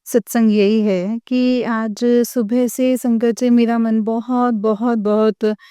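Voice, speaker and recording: Tearful middle-aged woman, devotional testimony, slow repetitive delivery, mellow smooth voice. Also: a little high, flat delivery, no room sound, studio quality. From Punjab, India. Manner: slow and repetitive, keeps addressing the congregation.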